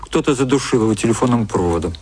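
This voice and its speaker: A man narrating a literary radio play in a measured storytelling style. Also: medium pitch, animated, a little mellow, husky.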